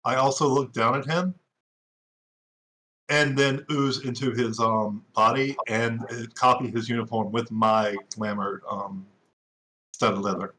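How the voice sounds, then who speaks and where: A man's voice: mid-range voice, flat delivery, measured pace, sharp tone, low-quality recording. A man playing a tabletop game, describing his actions plainly and matter-of-factly. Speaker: player. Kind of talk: casual tabletop play.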